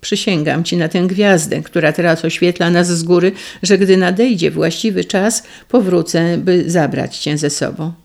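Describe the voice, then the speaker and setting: A reader voicing a proud young man on the run in an audiobook, solemn and resolute, with some vocal fry. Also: high voice, normal speed, few pauses. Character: young outlaw lover, proud and defiant. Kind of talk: audiobook reading.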